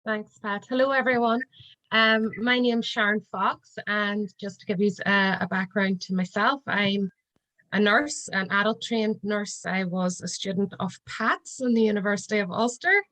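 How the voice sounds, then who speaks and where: Woman, nurse, mid-pitched voice, matter-of-fact, video call. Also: steady tone, normal speed, a bit bright, poor audio. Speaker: nurse and facilitator. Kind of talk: self-introduction on a video call.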